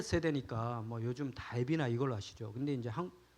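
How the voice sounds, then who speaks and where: A man with an ordinary speaking voice at a moderate pace, ordinary pitch variation, and a quiet background. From South Korea. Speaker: missionary preacher. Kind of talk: sermon. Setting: church. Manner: conversational, humorous asides to congregation.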